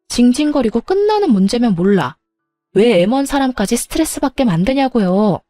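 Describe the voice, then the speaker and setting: A woman's voice: on the high side, no echo. Defiant woman narrating a family feud. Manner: sharp, defiant retorts. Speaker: storyteller narrating as daughter-in-law. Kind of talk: dramatized first-person story narration.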